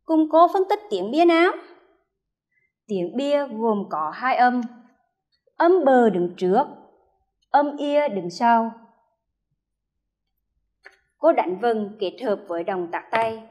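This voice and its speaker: A high-voiced woman teacher with a Hue accent, taking her time as she leads a children's reading lesson. She draws out each sound slowly and clearly so young pupils can echo it back, and she speaks in a studio. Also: expressive, a little mellow. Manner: slow, careful modeling of sounds, drawn-out repetitions for children to echo. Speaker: primary school teacher. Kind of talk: first-grade reading lesson.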